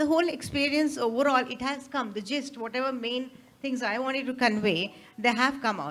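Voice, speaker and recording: With an Indian accent, a woman speaks at a high pitch. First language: Hindi. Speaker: author. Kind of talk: panel discussion.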